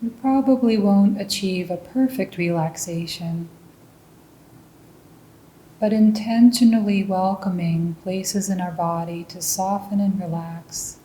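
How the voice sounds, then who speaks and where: Slow, mellow-voiced woman guiding meditation. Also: mid-range voice, reverberant, slight background noise, low-quality recording. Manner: slow, calm and gentle instruction. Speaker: meditation guide. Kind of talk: guided meditation.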